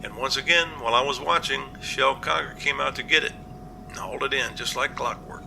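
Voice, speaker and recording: Gravelly, plain-spoken captain, played by a man. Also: medium pitch, fairly quick, background noise, close to an everyday voice. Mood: concerned. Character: male captain, earnest, practical, cautious, plain-spoken. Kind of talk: amateur audio drama dialogue.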